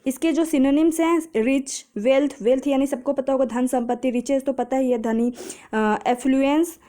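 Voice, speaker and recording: A woman tutor runs through vocabulary for an exam, her voice high-pitched yet soft and dark in tone. She poses each question and answers it herself, linking words to easy memory tricks. English phrases come slowly and carefully. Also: steady tone. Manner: explains patiently with memory tricks, asks and answers own questions. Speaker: exam prep teacher. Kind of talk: vocabulary lesson.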